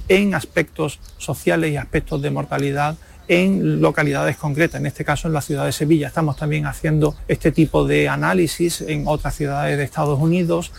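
A man's voice: a little high, creaky, slightly rough. A man explaining a technical system in a recorded interview clip. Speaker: expert interviewee.

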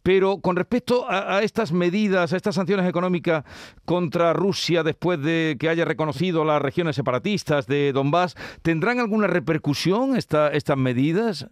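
A male radio host leads an interview and addresses his guest in a courteous, formal way. His voice sits a little high. The studio sound is close and dry. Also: moderate pace, no echo.

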